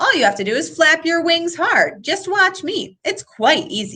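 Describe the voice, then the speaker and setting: A woman's put-on character voice at an extremely high pitch and a moderate pace. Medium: read story. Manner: bright, friendly.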